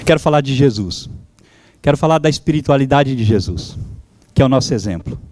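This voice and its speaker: A man's voice: medium pitch, expressive, a little fast, darkish tone. A man whose first language is German, preaching a sermon as pastor, fervent and calling out to his congregation.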